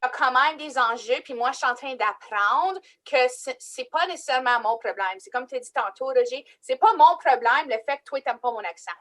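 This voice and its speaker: A woman's voice: sits high, fairly quick, few pauses, a bit bright. A woman moderating a casual panel discussion. She speaks emphatically and repeats her key phrases.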